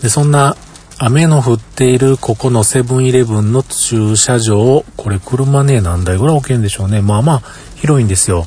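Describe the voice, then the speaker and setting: Against noticeable background noise, a man in a relaxed tone speaks at a medium pitch with ordinary pitch variation. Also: moderate pace. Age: 50s. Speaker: podcaster. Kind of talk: casual monologue.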